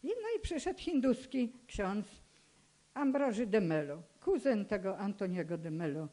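An elderly woman from Poland, in her eighties, giving an earnest, admonishing public talk as a Catholic nun, in a deliberate way that repeats phrases. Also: mid-range voice, sing-song, warm tone. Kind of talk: public talk, personal testimony. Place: indoor hall with stage and seated audience. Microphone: microphone on a stand, close to the mouth.

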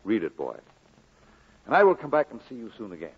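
An actor playing a kindly, earnest Welsh preacher in an old radio drama. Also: male voice, fairly low pitch, wildly swooping pitch, brisk, slight background noise. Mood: warm. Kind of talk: 1940s radio drama acting. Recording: thin, muffled old radio recording.

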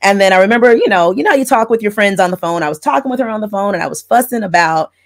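A woman's voice: medium pitch, animated, very fast. A middle-aged woman from Florida, raised in Texas, talking at length about her notary work in a casual video-call interview from her home office. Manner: wordy, chatty, explains in detail. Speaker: mobile notary loan signing agent and channel host. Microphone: earbud headset on a video call.

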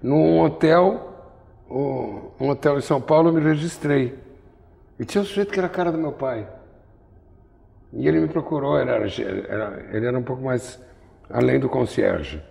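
Older man, from Brazil, very gravelly voice, digressive storytelling, lapel mic, reverberant studio. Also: mid-range voice, moderate pace, long pauses, mellow. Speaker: interviewer. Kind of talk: rambling conversational interview. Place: artist's studio indoors.

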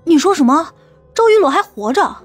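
A woman acts out an earnest young policewoman in an audiobook drama. She speaks in a high voice with an urgent, questioning delivery. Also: expressive, brisk, soft background music. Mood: disbelieving.

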